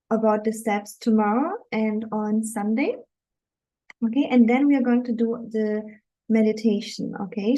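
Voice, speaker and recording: A woman's voice: a little high, warm tone, low-quality recording. A woman from Germany, a dating coach, speaking to viewers in an earnest, encouraging live webinar talk.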